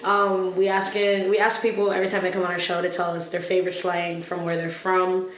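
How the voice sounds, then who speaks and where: Host, casual chat, laid-back delivery, roomy studio sound. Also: male voice, sits high, monotone, a little fast, a bit bright. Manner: laid-back, swearing, laughs often. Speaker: podcast host.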